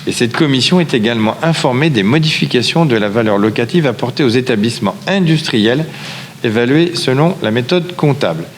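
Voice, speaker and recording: A man's voice: mid-range voice, expressive, brisk. Guy running a town council meeting, explains stuff formally w repeats, reverby hall, bit of noise. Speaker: local official chairing a town council meeting. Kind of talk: formal council presentation, semi-improvised. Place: large echoing meeting room.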